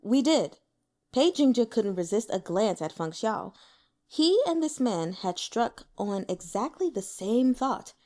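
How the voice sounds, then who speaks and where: A woman narrating an audiobook in a calm, even reading voice. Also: a little high, measured pace. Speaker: audiobook reader.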